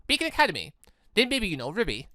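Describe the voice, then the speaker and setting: A man's voice: high voice, wildly swooping pitch, quick pace, pushed and bright, no echo, studio quality, exaggerated voice. A man voicing a polite, plucky and slightly awkward teenage girl in a visual novel, earnest and courteous. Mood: eager.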